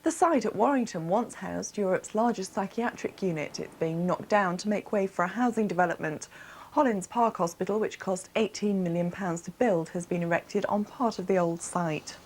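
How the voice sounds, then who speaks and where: A woman presenting regional television news, reading scripted bulletins in a formal, measured way. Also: mid-range voice, darkish tone, a little hiss or hum.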